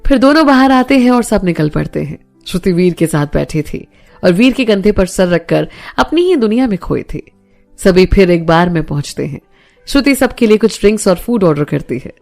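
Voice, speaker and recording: Gravelly woman narrating an audio romance. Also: medium pitch, lively intonation, normal speed, darkish tone, faint music behind.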